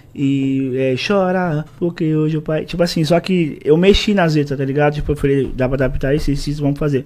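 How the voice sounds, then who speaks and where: Here is a man with an unremarkable speaking voice, pitched fairly high and fairly even in intonation. He talks at a fairly quick pace. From Minas Gerais, Brazil. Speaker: DJ and music producer. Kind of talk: casual chat.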